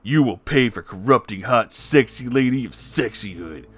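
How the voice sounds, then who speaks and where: A man's voice: medium pitch, lively intonation, moderate pace, fairly bright tone, husky, faint music behind. A man voicing a muscular, righteous cartoon cat hero in a comic story, declaiming with earnest bravado. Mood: challenging, righteous.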